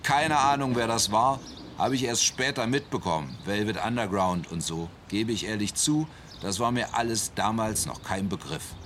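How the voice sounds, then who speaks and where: A man's voice: on the low side, normal speed, a bit bright, slight background noise, natural voice. An actor playing a plain-spoken man who candidly recalls his bewildering first rock concert as a teenager in a radio play. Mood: candid, bemused. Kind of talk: German radio play monologue. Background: music.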